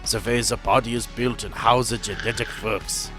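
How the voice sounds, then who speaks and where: A man's voice: mid-range voice, fairly even intonation, normal speed, fairly bright tone, soft background music, lightly acted. A man voicing a polite older German doctor with a put-on German accent and a formal, probing manner. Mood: genial. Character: older thin male German doctor, genial.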